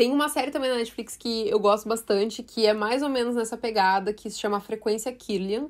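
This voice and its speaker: Ordinary pitch variation from a woman, over a quiet background. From Rio Grande do Sul, southern Brazil. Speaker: YouTuber. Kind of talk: casual video review. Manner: animated. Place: home room.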